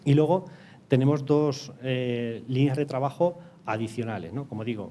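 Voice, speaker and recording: A man with a Castilian Spanish accent speaks in a mellow, mid-pitched voice. He explains things as an interview guest, hesitating and repeating words. There is light ambient noise behind him. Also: moderate pace. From Castilla-La Mancha, Spain. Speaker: interview guest, energy company project director.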